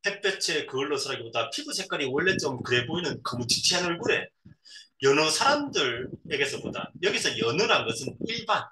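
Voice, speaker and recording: A middle-aged father reads a novel aloud at home and keeps stopping to explain words in simple terms. His voice is bright and fairly high, with a lot of rise and fall. The mic sits a little away from him in a roomy space, with a faint hiss behind. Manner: reads a passage, then pauses to explain words simply to a child; acts out quoted lines in lively voices. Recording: roomy echo, a bit far from the mic, faint noise.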